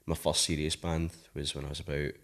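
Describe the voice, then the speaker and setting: A man's voice: extremely low pitch, level tone, fairly quick, a bit bright. A Scottish man in his thirties, a musician guest talking casually in an interview, rambling with lots of "like" fillers. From Scotland.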